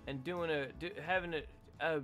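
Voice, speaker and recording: A man's voice: fairly high pitch, steady tone, moderate pace, a bit bright, soft background music. A man from Pennsylvania with an American accent, chatting casually and playfully as he streams a video game. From Pennsylvania, United States. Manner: goofy, playful. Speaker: gaming streamer. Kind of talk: casual joking game chat.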